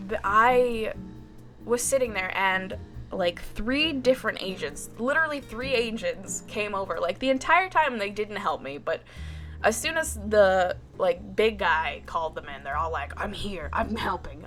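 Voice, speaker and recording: A woman's voice: mid-range voice, measured pace. A woman vlogger telling a storytime about her day, with lots of "like" and small restarts, acting out what other people said. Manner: animated retelling, heavy use of "like", mimics others. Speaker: artist vlogger. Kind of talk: storytime vlog. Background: background music.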